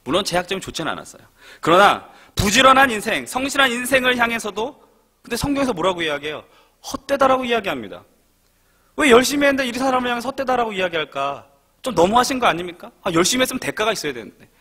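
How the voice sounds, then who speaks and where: A man's voice: very high voice, big pitch swings, fast talker, bright, forceful tone, husky. A young man preaching a sermon in a church, speaking to the congregation with many rhetorical questions. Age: young adult. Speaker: pastor. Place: church sanctuary.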